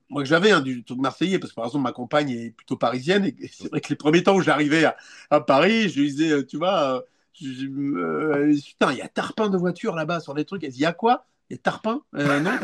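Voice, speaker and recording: A man's fairly high voice with lively intonation and big swings in loudness, dry and close with no echo, over a quiet background. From southern France, Marseille. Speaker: actor and voice actor. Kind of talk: interview. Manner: animated.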